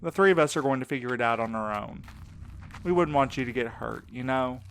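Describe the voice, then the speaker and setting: A wry male courier in a spooky audio drama, played by a man, speaking at a middling pitch. He is exasperated and wary, with a needling, sarcastic, colloquial delivery, and faint noise with night insects sits behind him. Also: a little fast, lightly acted. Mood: bitter, accusing.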